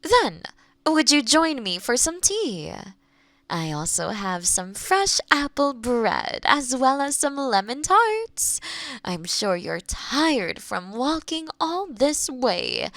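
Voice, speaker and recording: A woman playing a kind, playful young witch who lives alone in the forest, speaking gently and teasingly to the listener in a roleplay audio drama. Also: fairly high pitch, no echo, heavily acted. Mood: warm, inviting. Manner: gentle, unhurried, teasing, with soft chuckles.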